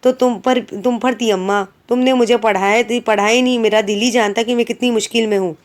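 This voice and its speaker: A woman reading aloud as a gentle aunt who pleads with the grandmother and soothes the girls. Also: on the high side, steady tone, fairly quick, close to an everyday voice. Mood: pleading.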